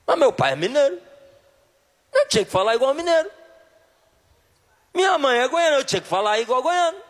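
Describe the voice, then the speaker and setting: High-voiced preacher from Brasília, reverberant hall. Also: male voice, big pitch swings, brisk. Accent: Brasília Portuguese. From Brazil, Brasília. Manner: questions the audience directly, emphatic. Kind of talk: sermon. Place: large hall with a live audience. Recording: long reverb of a large hall.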